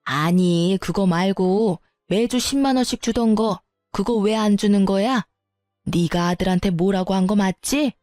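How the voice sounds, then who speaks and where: A woman voicing a greedy, demanding older mother-in-law who scolds harshly, with a lowered voice. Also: unhurried, darkish tone, dry recording, studio quality, faint music behind, natural voice. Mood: nagging.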